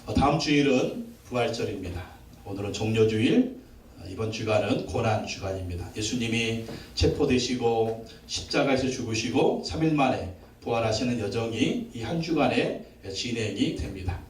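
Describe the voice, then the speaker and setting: A man's voice: fairly low pitch, animated, moderate pace, a little hiss or hum. A man preaching a Sunday sermon as pastor, building up to emphatic repeated declarations. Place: church sanctuary. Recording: echoey church hall, voice from a distant mic.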